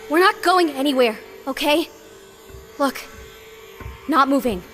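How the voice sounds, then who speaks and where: A woman playing a brisk, practical leader of a heist crew in an audio drama, giving terse, commanding directions. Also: sits high, expressive, a bit bright, soft background music. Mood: tense.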